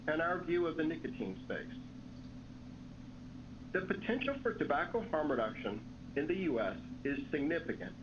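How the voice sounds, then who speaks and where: A man reading scripted remarks as a company executive on an earnings call. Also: on the high side. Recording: dull lo-fi call audio, clear noise.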